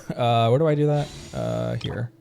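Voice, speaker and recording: A man's voice: medium pitch, steady tone, a little slow, vocal fry, darkish tone, slight background noise. A man livestreaming a game, chatting casually and reading dialogue aloud in a playful way. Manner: playful, silly sound words, stumbles while reading. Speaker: streamer. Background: game music.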